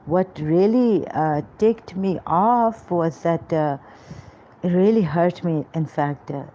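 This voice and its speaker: A woman talking to camera in a rambling personal monologue, halting often with pauses and fillers. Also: on the low side, dark tone. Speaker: vlogger. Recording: dull lo-fi recording with faint noise.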